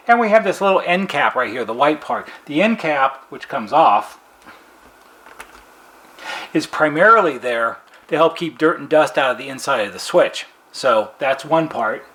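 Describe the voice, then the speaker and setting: A man's voice: a little high, a bit bright. A man presenting a casual hands-on repair demonstration as a technician, explaining things in a plain-spoken, methodical way.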